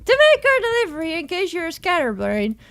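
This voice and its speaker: A woman's voice: extremely high pitch, wildly swooping pitch, fairly quick, a bit bright, dry recording, heavily acted. A woman voicing a hot-tempered, sarcastic young woman in a fantasy game, brash, snappy and taunting.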